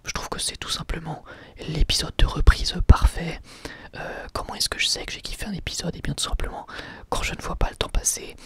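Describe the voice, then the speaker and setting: A man's voice: on the high side, fairly even intonation, a little fast, breathy edge. A man whispering a casual ASMR review of an anime episode, chatty and hesitant, often asking viewers for their opinions. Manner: soft whisper throughout, casual with frequent hesitations.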